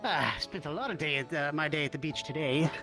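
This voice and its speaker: A woman's voice: low voice, fast, music in the background. A woman making casual, improvised roleplay conversation. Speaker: roleplayer in a virtual-reality game.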